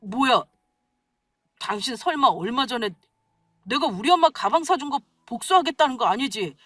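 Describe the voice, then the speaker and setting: A woman voicing an irritated, indignant husband who complains in shrill outbursts, in a storybook radio drama. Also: lively intonation, normal speed, a bit bright, no echo, clean studio sound, distant mic. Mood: angry.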